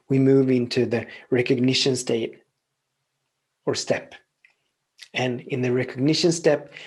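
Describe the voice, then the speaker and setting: This podcast host is a man whose first language is Swedish. He speaks at a medium pitch in a slightly rough voice, offering a calm, reflective spiritual teaching and often repeating phrases in long lists.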